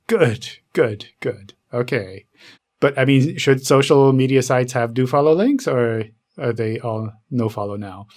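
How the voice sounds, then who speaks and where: A man's voice: mid-range voice, measured pace, darkish tone. A man co-hosting a podcast, talking casually and putting questions to his colleagues. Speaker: podcast co-host. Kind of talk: casual chat, asking questions.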